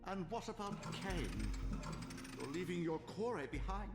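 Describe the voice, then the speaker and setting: An actor playing a cunning, manipulative old sorcerer in a video game, with a grandiose, slyly theatrical delivery. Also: male voice, high voice, sing-song, unhurried, creaky, exaggerated voice. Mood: urging. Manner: grandiose, pleading, theatrically sly. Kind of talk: dramatic video game voice acting. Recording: echoey long reverb, game music behind.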